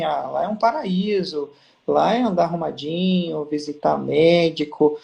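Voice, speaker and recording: A Brazilian man on a video call, telling stories as an interview guest and acting out quoted exchanges. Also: on the high side. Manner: storytelling, animated quoting. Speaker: guest, pharma district manager. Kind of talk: casual live interview.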